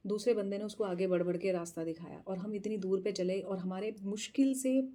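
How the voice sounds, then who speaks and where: A woman vlogger casually recounting a travel adventure, animated and laughing often, slipping English phrases into her talk. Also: medium pitch, a little fast. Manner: mixes English phrases into speech. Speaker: tarot channel host.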